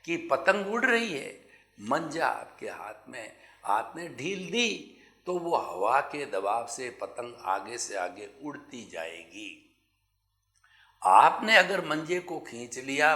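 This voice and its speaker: Guy giving a slow spiritual talk, bright voice, lots of rise and fall, echoey room. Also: mid-range voice. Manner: slow, animated preaching with vivid everyday examples. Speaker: spiritual teacher. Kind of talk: spiritual discourse.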